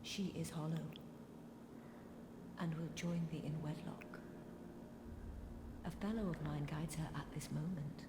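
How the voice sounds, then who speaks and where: A woman playing a solemn, reverent pilgrim in a fantasy video game, speaking in archaic, ceremonious phrases. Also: low-pitched. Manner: archaic, ceremonious, deliberate speech. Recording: echoey, with clear background noise and ambience.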